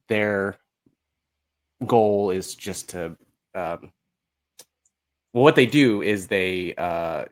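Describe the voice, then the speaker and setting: Guy guesting on a podcast, lowish voice, casual, kinda halting, hunting for words. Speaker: podcast guest, musical creator. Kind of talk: casual chat.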